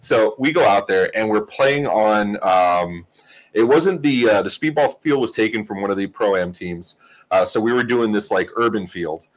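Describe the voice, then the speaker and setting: A man's voice: fairly low pitch, moderate pace, poor audio. A man co-hosting a casual tech podcast, telling stories with lots of laughter and casual swearing. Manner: animated storyteller, laughs often, swears casually. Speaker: podcast co-host. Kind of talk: casual chat, storytelling.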